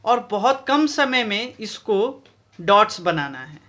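A man with an Indian accent walks through a DIY battery build, mixing Hindi and English as he explains each step. His voice is bright, and he talks slowly and deliberately. He records on a phone held over his workbench. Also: high-pitched, big pitch swings. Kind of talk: DIY tutorial. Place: indoor workbench.

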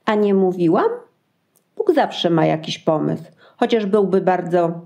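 A woman playing a weary, trusting expectant mother in a Christmas radio play, gentle and plaintive. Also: on the low side, a little slow, gravelly, muffled recording.

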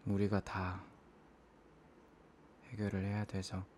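A man in an ASMR role-play as an apologetic, self-blaming young boyfriend, speaking in a soft, intimate, hesitant murmur. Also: low voice, monotone, slow pace, a little hiss or hum.

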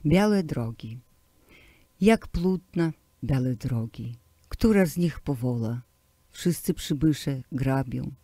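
A man reciting translated poems in a slow, declamatory way, pressing hard on key words. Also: fairly high pitch, warm tone, no room sound. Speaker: poetry reader. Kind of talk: poetry recitation.

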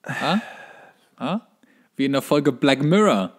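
A man's voice: mid-range voice, lively intonation, slow. A man co-hosts a comedy podcast in a mid-range voice. He chats casually, with a joking, ironic manner. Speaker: podcast co-host.

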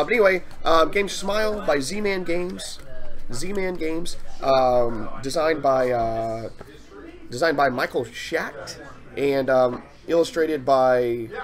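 A man's voice: fairly high pitch, slow. A man co-hosting a show, casually reviewing a board game and stumbling over names. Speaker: co-host presenting a board game. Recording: crowd noise behind.

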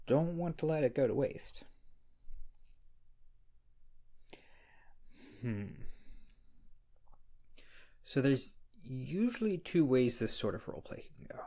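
A man playing a shy, flustered, insecure young scriptwriter in an intimate ASMR roleplay, speaking hesitantly with a husky, creaky voice. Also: medium pitch, very animated, dark tone. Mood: thoughtful. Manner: hesitant, halting. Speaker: audio roleplay performer. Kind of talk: ASMR roleplay, intimate one-sided dialogue.

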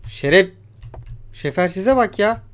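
A man's voice: high voice, lively intonation, measured pace. A young man giving casual let's-play commentary on a horror game, jumpy, swearing and talking back at the game's creatures. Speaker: gamer.

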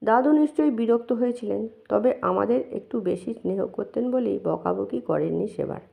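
A woman narrating a first-person memoir in a calm, measured and reflective way. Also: mid-range voice, vocal fry. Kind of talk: memoir reading. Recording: dull lo-fi recording.

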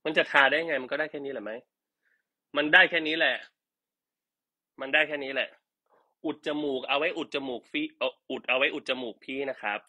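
A man's voice: mid-range voice, quick pace, bright, forceful tone. A man chatting casually and teasing jokingly while selling products on a live stream.

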